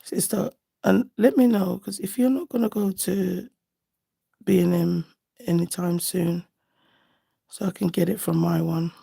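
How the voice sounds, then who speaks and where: A slightly hoarse woman chatting casually and affectionately on a live nail art stream, often thinking aloud as she works. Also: lowish voice, steady tone, a little slow, pauses often, dark tone. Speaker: nail art livestream host. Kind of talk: casual live chat while doing nails.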